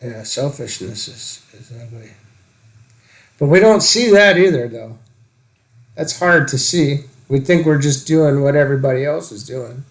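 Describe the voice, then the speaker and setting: A man in casual, reflective conversation, halting and tentative as he searches for words. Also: medium pitch.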